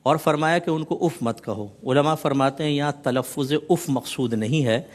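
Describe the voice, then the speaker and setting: On a TV talk show, a male mufti offers a measured religious explanation, laying out points in rhythmic series. His voice is a little high, and he mixes English words into his speech.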